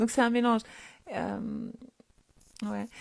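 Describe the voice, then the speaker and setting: In a very clean recording with a silent background, a woman talks at a fairly quick pace with a fairly high pitch. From Albanian family, partly raised in the United States. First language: Albanian (speaking French). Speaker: life coach. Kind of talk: live stream chat with viewers. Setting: Instagram live. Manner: hesitant, many fillers.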